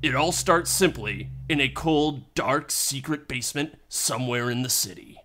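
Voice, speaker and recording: A man's voice: medium pitch, moderate pace, bright, forceful tone, a little hiss or hum. A man reading scripted introductions and narration as the announcer of a radio play podcast. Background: music.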